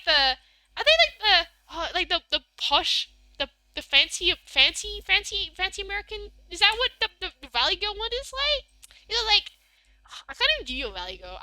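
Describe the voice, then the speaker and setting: A bubbly young Australian woman chats on a live stream, high-pitched and very bright in tone. Her voice leaps up and down constantly as she giggles and rambles with lots of fillers. The sound is close and dry. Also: dry recording. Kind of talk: casual live-stream chat, reading chat messages.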